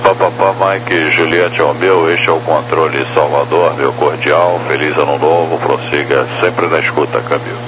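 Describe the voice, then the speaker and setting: Casting: low-voiced Brazilian man as radar controller, aviation radio with clear noise and hum. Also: fairly even intonation, moderate pace, few pauses. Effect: two-way radio transmission. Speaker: air traffic controller. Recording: noisy air traffic radio with hum.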